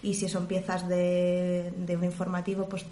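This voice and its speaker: A professional voice-over woman from Spain, chatting in an interview and explaining her work with lively examples. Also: fairly low pitch, moderate pace, echoey room, background noise. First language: Spanish. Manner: animated, explains with examples and imitated sounds. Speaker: interview guest, professional voice-over artist and journalist. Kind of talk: relaxed conversational interview.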